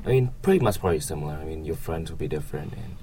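A young man with an extremely low voice and a Vietnamese accent answers interview questions casually. He hesitates and hedges as he goes, phrasing things colloquially. There is clear background noise on the recording. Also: animated, racing, dark tone. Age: young adult. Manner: hesitant, colloquial, hedging with "you know". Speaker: interviewee, economics student.

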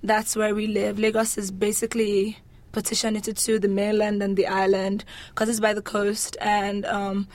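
A young woman from Nigeria speaks as an interview guest. She explains things articulately in a conversational style, with fairly even, restrained intonation. Her pitch sits in the middle for a woman. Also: normal speed.

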